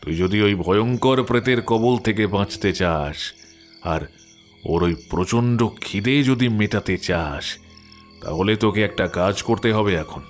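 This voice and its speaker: Solemn priest-exorcist acted by a man, low and commanding, audio drama with music underneath. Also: measured pace, lightly acted. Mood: grave warning. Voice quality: solemn, grave voice. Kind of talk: dramatic audio story acting.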